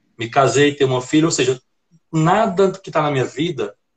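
The speaker is somewhat breathy, moving at a moderate pace with ordinary pitch variation. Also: man. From Fortaleza, Ceará, Brazil. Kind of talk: casual interview on an Instagram live.

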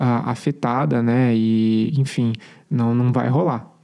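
In a quiet background, a man speaks at a medium pitch with a dark, mellow tone. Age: 20s. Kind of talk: casual chat.

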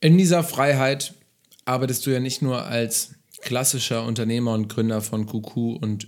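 Here a man speaks at a medium pitch and a moderate pace. His pitch variation is ordinary. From northern Germany, Kiel. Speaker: podcast co-host. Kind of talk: casual interview chat.

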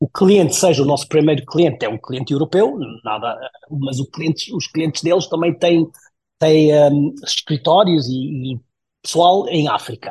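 Speaking at a fairly slow pace, a man has a fairly high pitch and ordinary pitch variation. The sound is dry and close, with no echo. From South Africa. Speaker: tech company co-founder. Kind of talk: interview. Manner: halting.

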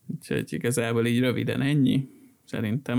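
Fairly even intonation from a man at a medium pitch, in a plain, everyday voice. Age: 20s. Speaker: podcast co-host. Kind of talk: casual chat.

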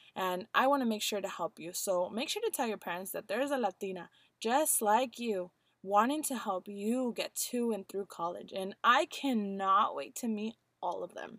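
Speaking with a Spanish accent, a woman has a fairly high voice with ordinary pitch variation and a moderate pace. The recording is very clean, dry and close, with a silent background and no echo. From US, Mexican and Guatemalan immigrant family. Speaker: college admissions advisor. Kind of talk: podcast intro monologue. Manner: energetic, encouraging.

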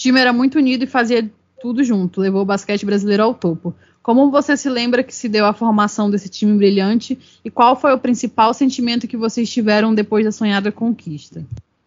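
A woman speaks at a fairly quick pace in a fairly high pitch, somewhat breathy, with ordinary pitch variation. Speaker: podcast host. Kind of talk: interview.

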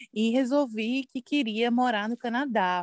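Recorded dry and close with no echo over a silent background in a very clean recording, a woman speaks in a plain, everyday voice at a fairly high pitch with fairly even intonation. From Brazil, Paraíba (Campina Grande). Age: 30s. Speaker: emergency nurse. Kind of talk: interview.

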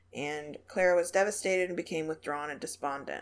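Against a silent background on a very clean recording, a woman has a plain, everyday voice, fairly low in pitch, with fairly even intonation. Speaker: podcast co-host. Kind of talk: casual chat.

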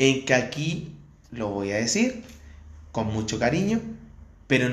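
Amid audible room echo, a man with a Chilean accent talks at a medium pitch. His pace is very slow. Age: 30s. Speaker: cosplayer and party-goer. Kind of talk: casual chat.

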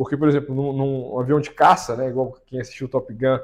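A man speaks at a medium pitch. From Brazil, Minas Gerais (Belo Horizonte). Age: 20s. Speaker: commercial astronaut and engineer. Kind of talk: interview. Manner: halting, frequent repetitions.

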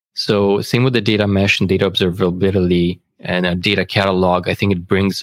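A man with a Romanian accent and a very deep, low voice speaks at a moderate pace with fairly even intonation in a dry, close sound with no echo, on a very clean recording with a silent background.

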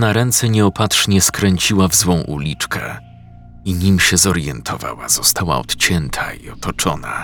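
The voice moves through very wide pitch swings while music plays in the background. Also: man. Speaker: narrator reading horror stories. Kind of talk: scripted horror narration, ghost story told in a hushed, menacing tone. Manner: dramatic, slow and suspenseful, building to intense grisly moments; darkly expressive, shifting to a snarling, hungry tone for the monster's thoughts.

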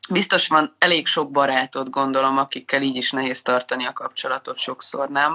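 A woman's very deep, low voice with a bright, sharp tone, fairly quick with hardly any pauses, fairly even in intonation, and dry and close with no echo. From Hungarian community abroad. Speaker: online talk show host. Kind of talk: interview.

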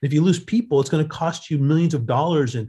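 Captured in a very clean recording with a silent background, a man talks at a very fast pace in a fairly high pitch, with a dark, mellow, somewhat breathy tone and ordinary pitch variation. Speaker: author and business executive. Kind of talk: casual interview chat.

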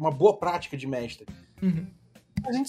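Very fast speech with very wide pitch swings, with music in the background. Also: man. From Rio de Janeiro, Brazil. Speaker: RPG podcaster and author. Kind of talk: casual chat.

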